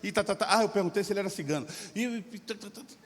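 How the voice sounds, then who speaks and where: An impassioned male pastor with a Brazilian Portuguese accent, preaching in a church. His voice sits high for a man, and it carries a long hall reverb. He moves from fervent shouting to easy, conversational anecdotes. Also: racing. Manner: impassioned, shifting from shouting to storytelling. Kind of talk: sermon. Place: church sanctuary.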